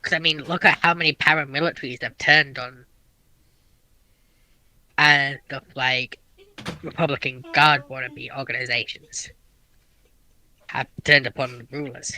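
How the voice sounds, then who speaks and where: A man on an informal discussion panel, explaining his points in a somewhat halting way. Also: mid-range voice, fairly even intonation, sharp tone, rough recording.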